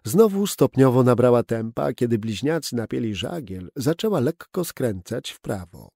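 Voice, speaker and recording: Brief: male audiobook narrator, warm gravelly voice, dry close studio sound. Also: mid-range voice, normal speed, no room sound. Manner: steady, expressive storytelling. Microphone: close studio mic.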